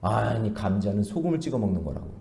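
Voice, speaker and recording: A man's voice: on the low side, big pitch swings, fast talker, creaky, warm tone, reverberant, voice pushed down. A man playing a dismissive husband who insists he is right, with a scornful edge. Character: stubborn dismissive husband from the southeast.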